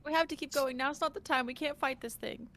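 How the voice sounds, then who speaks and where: Girl in a tabletop rpg, high bright voice, talking in character, bit noisy. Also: steady tone, brisk. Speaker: tabletop game player. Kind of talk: in-character game talk.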